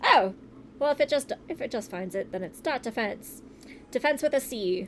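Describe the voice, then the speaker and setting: A woman with an American accent, high in pitch, with lively intonation at a moderate pace. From Canada, Windsor, Ontario. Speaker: streamer. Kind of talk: casual chat.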